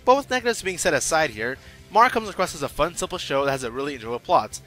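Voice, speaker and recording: Fast, animated man reviewing with sarcasm. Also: on the high side, over music, poor audio. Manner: irreverent, sarcastic, slangy. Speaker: anime reviewer and host. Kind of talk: casual opinionated video review narration.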